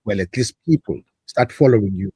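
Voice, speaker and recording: South African male guest, husky timbre, dry close mic, holds forth with oratorical flair. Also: fairly low pitch, expressive, brisk, mellow, no echo. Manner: expansive, speechifying. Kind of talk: talk-radio interview.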